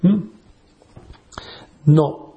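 A man's voice: drawn-out words, mellow, reverberant, dull audio, slight background noise. A man preaching a sermon in a chatty way, telling stories and often asking his listeners whether they follow. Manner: chatty, asks the audience "capite?".

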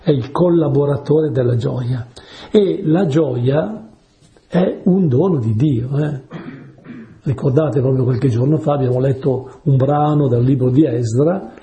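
A man's voice: mid-range voice, measured pace, mellow, roomy sound. A man preaching a sermon in a chatty way, telling stories and often asking his listeners whether they follow. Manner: chatty, asks the audience "capite?".

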